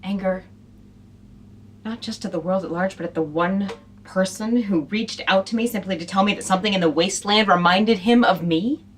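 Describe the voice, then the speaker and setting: A woman's voice: medium pitch, moderate pace, slight background noise, lightly acted. A woman playing a cantankerous wasteland character in a comedy audio sketch. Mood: brooding. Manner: huffy, then soul-searching.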